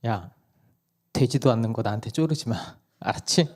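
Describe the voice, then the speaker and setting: A hoarse man voicing a blunt mother who curtly refuses her child's demands. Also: medium pitch, normal speed. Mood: curt, dismissive. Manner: curt, flatly dismissive.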